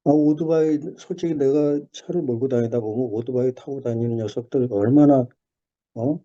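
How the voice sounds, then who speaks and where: Middle-aged man, church testimony over a lo-fi call, animated storyteller, deep dark tone. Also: moderate pace. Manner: storytelling, animated, with many restarts and fillers. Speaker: church member sharing testimony. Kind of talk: personal testimony in a video call. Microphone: video call. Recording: dull lo-fi video call audio.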